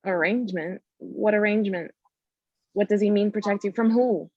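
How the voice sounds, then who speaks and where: A woman's voice: medium pitch, moderate pace, warm tone, dry recording, dull audio, natural voice. A woman acting a protective, resolute, commanding character at a screenplay table read. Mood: concerned, protective.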